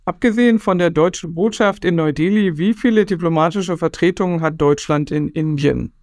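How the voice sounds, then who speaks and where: Fairly high-voiced male host, brisk scripted questions, dry close sound. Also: a little mellow, dry recording. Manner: brisk, reads prepared questions. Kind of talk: scripted interview moderation.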